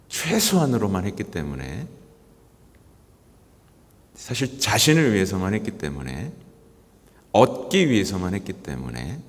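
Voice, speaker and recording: A man, a Catholic priest, giving a conversational weekday homily and acting out people's complaints. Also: fairly low pitch. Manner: lively, conversational preaching with mimicked quotes. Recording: church hall reverb.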